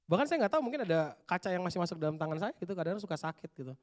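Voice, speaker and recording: A male youth pastor preaches in casual street slang. He swings between low, hushed asides and sudden shouted bursts, talking straight to a young crowd in a church. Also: animated, very fast. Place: church hall.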